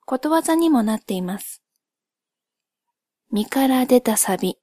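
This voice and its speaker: Softly spoken woman, dry close sound, unhurried. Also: fairly high pitch, expressive, no echo. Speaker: host of a solo spoken channel.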